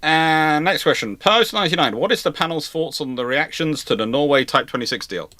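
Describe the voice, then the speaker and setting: A man's voice: on the high side, lively intonation, a little fast, sharp tone, dry recording. A man hosting an informal question-and-answer panel, explaining his points emphatically and repeating himself for stress.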